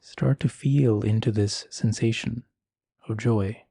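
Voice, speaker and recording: A man leading a guided meditation in a calm, soothing, unhurried manner, leaving long pauses between phrases. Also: lowish voice, gravelly, husky, no echo, studio quality. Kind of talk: guided meditation, slow scripted instruction.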